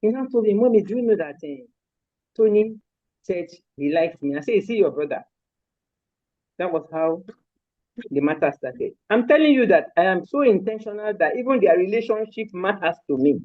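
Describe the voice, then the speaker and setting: In a live interview, a guest who is a mother and grandmother, an older woman from Lagos with a Nigerian accent, talks about bringing up her children. Her mid-range voice is animated and moves at a normal speed, and her manner is firm and emphatic, driving points home through forceful repetition. There is no echo, though the high frequencies are cut off.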